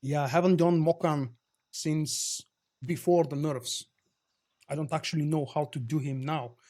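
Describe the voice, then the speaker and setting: Bulgarian-accented male streamer, chatty, answers chat; voice a little high. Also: fairly even intonation, unhurried, mellow. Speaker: game streamer. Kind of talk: casual live-stream chat.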